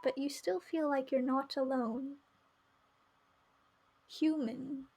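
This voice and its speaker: A woman's voice: high voice, fairly even intonation, takes it slowly, gravelly, warm tone, a little hiss or hum. A woman game streamer reading narration aloud and chatting casually as she plays. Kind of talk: live read-aloud narration with casual commentary. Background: faint music.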